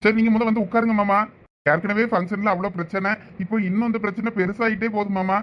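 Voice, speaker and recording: A man's voice: high voice, steady tone, quick pace, lo-fi sound, a little hiss or hum, natural voice. A man with a Thoothukudi Tamil accent voicing an anxious young adult nephew in a cartoon family drama, pleading and placating.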